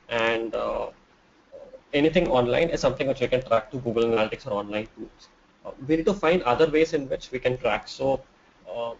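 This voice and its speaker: A man's voice: medium pitch, gravelly, highs cut off, a little hiss or hum. A man answering webinar questions as an expert, explaining with examples and rhetorical questions. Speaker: marketing expert panelist.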